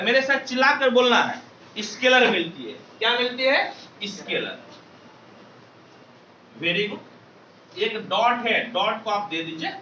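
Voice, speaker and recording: High, bright teacher drilling a class. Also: male voice, far from the mic, a little hiss or hum. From Bihar. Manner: call-and-response drilling, loud repeated questions to the class. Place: classroom with students. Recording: echoey classroom recorded from afar, dull sound.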